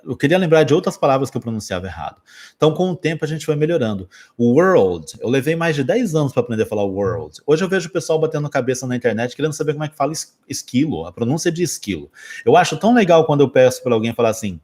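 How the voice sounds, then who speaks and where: A male English teacher from Brazil with a Brazilian Portuguese accent, chatting through a lesson in a loose, lively way. He keeps a medium pitch, moves fast through quick asides and jokes, and often stops to correct himself mid-sentence. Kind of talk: casual spoken lesson.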